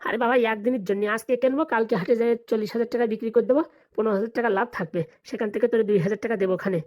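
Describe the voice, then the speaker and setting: A woman's voice: on the high side, fairly even intonation, a little mellow, lo-fi sound, lightly acted. A woman voicing a scheming, money-hungry village father in a comedy cartoon, scolding and bantering. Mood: scheming, pleased. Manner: rapid, colloquial, bantering scolding.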